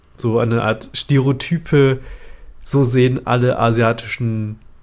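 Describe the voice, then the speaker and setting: A man speaks in a medium pitch with fairly even intonation. It is an unremarkable speaking voice. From Hamburg, Germany. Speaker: podcast guest. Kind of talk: casual conversation.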